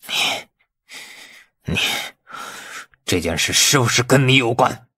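A man's voice: mid-range voice, lively intonation, slow, pushed and bright, slightly rough, no room sound, studio quality, full character voice. A man voicing an irascible, calculating police chief in an audiobook, blustering and commanding. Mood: furious.

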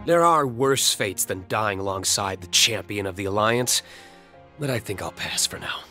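An actor playing a reckless, thrill-seeking young man in a video game, emotional and sardonic, with a husky voice. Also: lowish voice, lively intonation, moderate pace, sharp tone, soft background music. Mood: resigned, wistful. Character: reckless thrill-seeking young man, betrayed creation pleading with his father. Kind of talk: dramatic video game voice acting.

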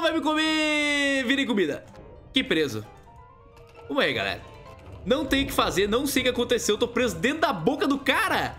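A young man with a Brazilian accent, giving excited let's-play commentary, yelping and laughing as he calls out to his viewers. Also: high-pitched. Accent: Brazilian Portuguese. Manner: excitable, yelps and laughs, talks to viewers as "galera" and "manos". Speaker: gaming YouTuber.

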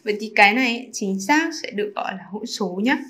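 A woman teacher explaining fractions in an online lesson, chatty and often checking in with her students through quick rhetorical questions. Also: medium pitch, lively intonation, a bit bright. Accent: Vietnamese. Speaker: math teacher.

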